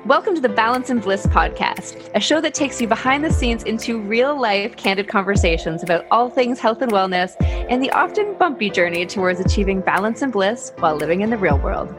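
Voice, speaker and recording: A woman co-hosting a wellness podcast, reading its scripted opening in a bright, upbeat way. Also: mid-range voice, animated, a little fast. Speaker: podcast co-host, fitness professional. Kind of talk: scripted show intro. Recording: intro with music bed.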